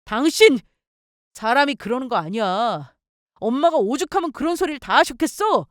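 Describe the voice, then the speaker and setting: A woman's voice: high-pitched, animated, normal speed, no echo, studio quality. A woman voicing a selfish young husband who indignantly blames his wife, in a story read for radio. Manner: blaming, indignant shouting.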